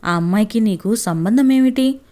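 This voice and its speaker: A woman voicing a stern older male judge who questions people in a commanding, booming way in a storybook reading. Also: normal speed, warm tone, close to an everyday voice. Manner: booming, interrogating.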